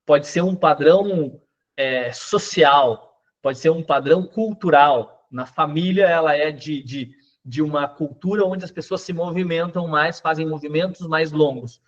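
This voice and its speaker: A man teaching a class on body language, explaining step by step with lists of examples and quick checks with his listeners. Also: on the high side, dull audio. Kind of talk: recorded class lecture.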